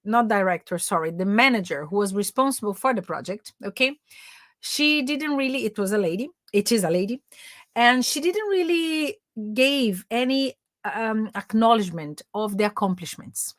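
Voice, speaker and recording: A woman's voice: on the high side, expressive, measured pace, fairly bright tone, no room sound, studio quality. A Brazilian woman, a native Portuguese speaker, teaching English in a chatty live online class and switching between both languages.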